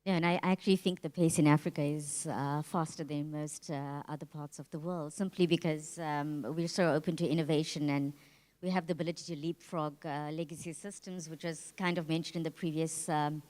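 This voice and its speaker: A woman moderating a conference panel, framing questions in a measured way with many fillers. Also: deep voice, steady tone, darkish tone. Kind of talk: panel discussion. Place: conference hall. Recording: reverberant conference hall.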